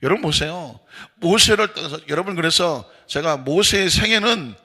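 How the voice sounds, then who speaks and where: A male pastor preaching an animated, folksy dawn-service sermon in a church, with a husky voice. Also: a little high, normal speed. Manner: folksy, emphatic, acts out quoted congregants. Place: church sanctuary.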